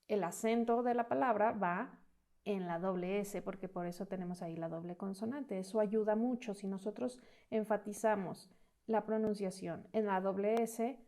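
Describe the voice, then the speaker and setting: A woman's voice: mid-range voice, dark tone. A woman teaching an online Italian lesson, patiently drilling verb forms. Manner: slow, patient drilling of conjugations.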